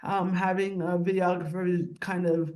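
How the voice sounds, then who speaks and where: A podcast host in their forties in casual interview chat, talking in an upbeat, quick way. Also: mid-range voice, flat delivery, a little mellow. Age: 40s.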